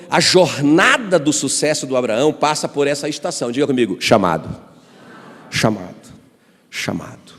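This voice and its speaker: A man from Brazil, a pastor preaching a sermon with personal stories and calls for the congregation to respond. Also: medium pitch. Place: church hall. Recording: long church hall reverb.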